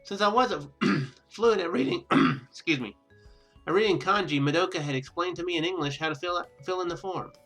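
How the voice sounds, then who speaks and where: A man's voice: high-pitched, moderate pace, a bit bright, faint music behind. A man hosting a gaming video, reading a visual novel aloud with casual commentary and stumbling over lines as he goes. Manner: stumbles over read lines and corrects himself.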